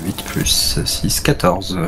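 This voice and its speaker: A man playing a tabletop roleplaying game, chatting casually and asking halting questions in improvised roleplay. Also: noisy background. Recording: music playing under the voice.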